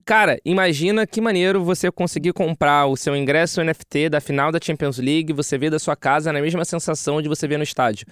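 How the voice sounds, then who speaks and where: A man talking casually on a podcast, telling stories in an animated, chatty way. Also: a little high, fast, hardly any pauses, clear, resonant tone, dry recording, studio quality. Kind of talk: casual chat.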